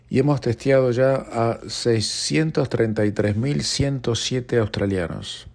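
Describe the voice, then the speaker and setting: A man's voice: lowish voice, vocal fry, darkish tone. A man hosting a radio news program, speaking earnestly and reflectively and addressing the listener directly.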